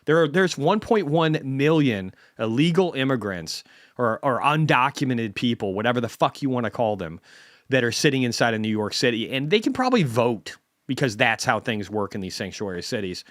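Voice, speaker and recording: A man's voice: medium pitch, lively intonation, moderate pace, no echo, studio quality. Blunt, profane male stream host. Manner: blunt, heavily profane, ranting. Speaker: host of a market commentary stream. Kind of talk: unscripted ranting commentary.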